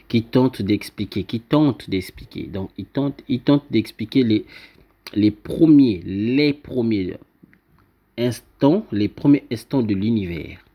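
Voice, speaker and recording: Low-voiced man, halting explainer. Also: highs cut off. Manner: hesitant, many fillers and restarts, points at things on screen. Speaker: self-styled teacher presenting his invented script. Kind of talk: informal explanatory talk over a screen.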